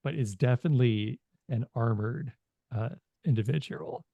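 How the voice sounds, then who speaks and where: A man speaking in a halting, informal way as he narrates a tabletop game as game master. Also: mid-range voice, vocal fry, mellow, husky, no echo.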